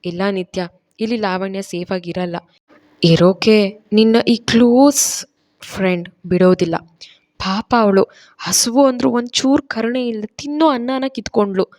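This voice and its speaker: A woman's voice: mid-range voice, measured pace, a little mellow, lightly acted. A stern, righteous young husband from an audio story, voiced by a woman narrator in her own voice. He speaks in a reproachful, lecturing tone. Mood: grave.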